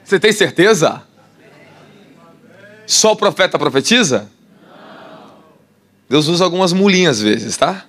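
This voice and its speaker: A man preaching with a Brazilian Portuguese accent. His voice sits fairly high, and he questions the congregation in an animated way, often breaking into laughter. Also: a little slow, long pauses. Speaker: apostle preacher. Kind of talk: sermon teaching.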